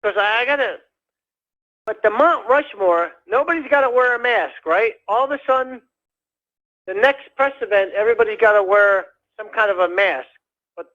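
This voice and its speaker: A man calling in to a radio show, rambling in a halting way with many fillers and restarts. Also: high-pitched. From United States. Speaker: caller. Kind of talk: rambling call-in chat. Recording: dull lo-fi phone call.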